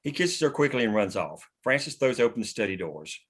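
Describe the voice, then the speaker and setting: A man's voice: mid-range voice, sing-song, fairly quick, breathy edge. A man reading scripted screen directions as the narrator of a table read.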